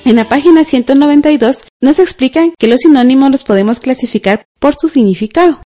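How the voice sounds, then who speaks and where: A woman, co-teaching a radio school language lesson, explaining calmly, slowly and clearly. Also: sits high, soft background music.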